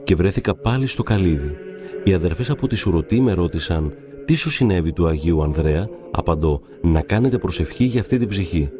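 A man narrating devout stories in a calm, measured reading. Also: low-pitched, music in the background. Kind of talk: reverent scripted reading of saints' stories.

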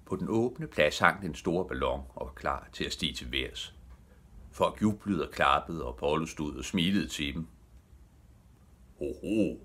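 An older man reading a children's bedtime story aloud with gentle, lively storytelling. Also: very deep voice. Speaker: audiobook reader.

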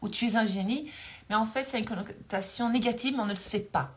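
A woman's voice: fairly high pitch, fast talker. A woman in her forties talking casually as a spiritual coach on a livestream, recorded on a phone held close in a dim room. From Belgium. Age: 40s. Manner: chatty, laughs often, reads viewer comments aloud.

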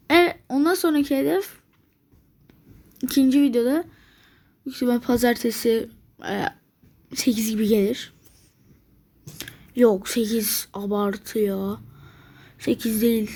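A woman's voice: on the high side, a little mellow. A woman commenting on a strategy game she is playing, grumbling in exasperation and thinking aloud to herself. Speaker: gameplay video maker.

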